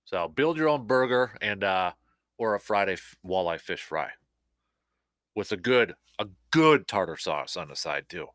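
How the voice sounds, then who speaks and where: A man hosting a talk show in casual chat, relaxed and rambling with plenty of fillers. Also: low voice, normal speed, no echo, studio quality. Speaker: host.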